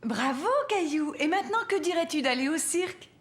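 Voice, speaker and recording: A woman voicing a cheerful, affectionate mother in a French children's cartoon, playful and expressive. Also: sits high, a little fast.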